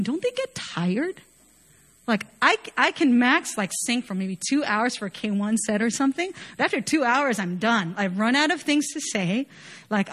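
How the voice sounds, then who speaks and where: A young woman raised in Chile preaches in an earnest, conversational way, full of casual fillers. Her voice sits a little on the high side. She talks warmly but plainly, more like a chat than a pulpit speech. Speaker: worship leader preaching. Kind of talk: sermon.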